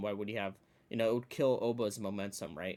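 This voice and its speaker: A man talks with a fairly low pitch. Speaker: wrestling commentary youtuber. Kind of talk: casual predictions monologue. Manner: fast; animated.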